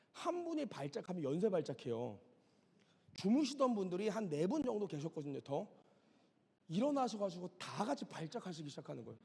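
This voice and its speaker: Middle-aged pastor, vivid dramatic storyteller, husky gravelly tone, church-hall reverb. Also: male voice, sits high, a little mellow. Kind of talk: storytelling sermon. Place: church sanctuary.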